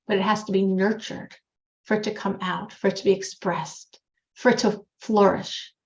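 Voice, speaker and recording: A woman teaching a religious class in an animated, conversational way, explaining through everyday examples. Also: a little high. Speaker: Torah teacher. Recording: dull lo-fi recording.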